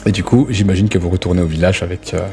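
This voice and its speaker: Low-voiced Frenchman improvising as game master. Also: fairly even intonation, over music. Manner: halting, conversational, searching for words. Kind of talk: improvised narration of a tabletop role-playing game.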